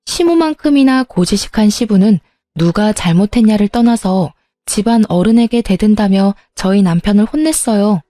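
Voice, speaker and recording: A woman narrating a dramatized story in a calm, steady manner and voicing herself in it. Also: mid-range voice, moderate pace, hardly any pauses, no echo, clean studio sound, soft background music.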